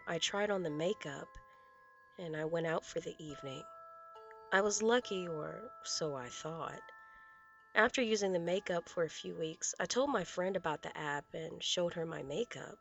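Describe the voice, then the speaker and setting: A woman narrating a first-person true story in a low-key, matter-of-fact reading. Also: gravelly. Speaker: guest narrator.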